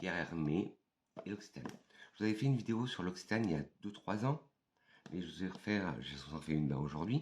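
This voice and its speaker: Using vocal fry, a man with a very deep, low voice speaks at a fairly quick pace, his pitch swinging very widely between long, frequent pauses. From France. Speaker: perfume YouTuber and perfume sales advisor. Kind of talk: casual video review. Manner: hesitant, with fillers.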